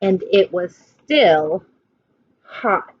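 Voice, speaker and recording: A woman teacher reading a picture book aloud to children, expressive and dramatic, with drawn-out phrases. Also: lowish voice, muffled recording, a little hiss or hum. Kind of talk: expressive picture-book read-aloud with questions to young listeners.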